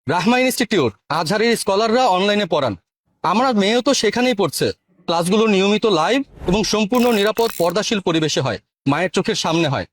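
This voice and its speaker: A male actor plays an eager father in a radio-style advertisement. He talks fast in a high voice, reassuring and persuasive. The sound is dry and close. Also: expressive, no room sound. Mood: helpful, persuasive. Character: friendly, eager father recommending an online Islamic school. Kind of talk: acted advertisement dialogue.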